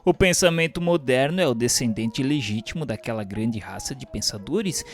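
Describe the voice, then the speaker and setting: A man's voice: mid-range voice, lively intonation, moderate pace. A man reads a scripted spiritual history narration in a solemn, formal, literary manner. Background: music behind the voice.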